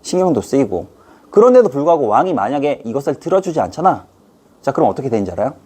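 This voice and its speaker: A middle-aged man gives a lively online history lesson, talking fast in a playful, chatty way. His slightly husky voice rises and falls with energy, and he keeps slipping into short put-on voices to act out scenes.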